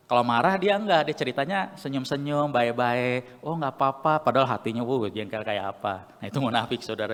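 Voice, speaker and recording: A man's voice: a little high, fairly bright tone. A male pastor preaching a sermon, asking rhetorical questions and calling out to the congregation. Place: church sanctuary. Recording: church hall reverb.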